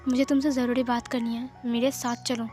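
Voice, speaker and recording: A woman's voice: a little high, little pitch movement, fairly quick, warm tone, soft background music, lightly acted. A woman voicing an angry young man who bitterly accuses his partner and family, in a sarcastic tone. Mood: cold, low.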